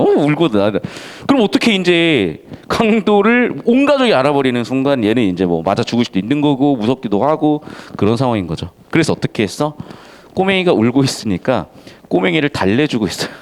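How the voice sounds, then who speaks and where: A man teaching a literature class in a casual, lively way, acting out the characters' lines as he explains the story. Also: mid-range voice. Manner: casual, animated, acts out characters' lines in quick asides.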